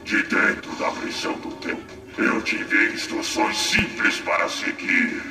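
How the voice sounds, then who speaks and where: A man's voice: unhurried, reverberant, lightly acted. A man voicing a furious, tyrannical evil mask spirit in a dubbed game, harsh and grandiose. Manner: grandiose, threatening. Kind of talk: dubbed video game cutscene acting. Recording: distant game audio under music.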